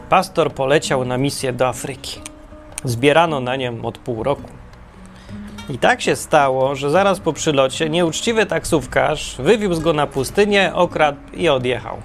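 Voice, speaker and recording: A man narrating a parable in a wry, deadpan storytelling manner. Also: on the high side, moderate pace, faint music behind. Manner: wry, deadpan humor with self-corrections.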